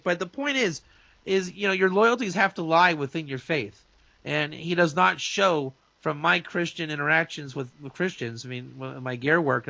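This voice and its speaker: A man's voice: on the high side, creaky, bright, forceful tone, no room sound, lo-fi sound. A man, a rabbi, talking in a casual, opinionated talk-show chat, emphatic and full of restarts and asides. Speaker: rabbi and guest speaker.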